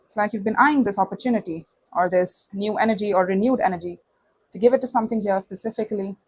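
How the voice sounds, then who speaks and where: A woman's voice: mid-range voice, fast, slightly rough. A woman with a lisp and slushy s sounds, giving a casual, conversational tarot reading to viewers and often checking in with short tag questions. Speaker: tarot reader.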